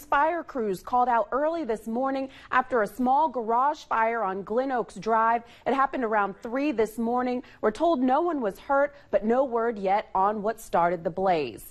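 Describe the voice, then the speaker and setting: A woman with a fairly high pitch has an unremarkable speaking voice. She talks at a moderate pace with lively intonation. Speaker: TV news anchor. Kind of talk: morning TV news anchor read.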